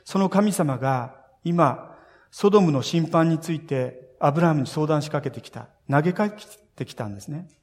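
A man preaching a sermon as pastor, earnest and expressive, building emphasis as he speaks. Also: a little high, normal speed. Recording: long reverb of a large hall.

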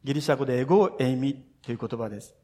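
A man's voice: medium pitch, racing, dark tone. A male pastor giving a sermon, telling the story with earnest feeling and speaking straight to his listeners. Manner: earnest storytelling, speaks directly to listeners, voices scripture quotes. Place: church sanctuary. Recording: long reverb of a church hall.

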